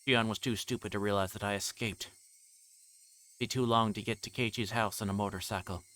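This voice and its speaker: A man's voice: lowish voice, steady tone, fairly quick, fairly bright tone. A man streaming a game, reading its narration aloud in a dramatic way, with game music behind him.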